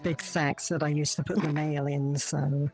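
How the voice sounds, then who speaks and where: A man roleplaying in an online virtual world, talking in a blunt, grumbling, rough-spoken way. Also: fairly high pitch, flat delivery, normal speed, over music. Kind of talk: casual in-character roleplay chat.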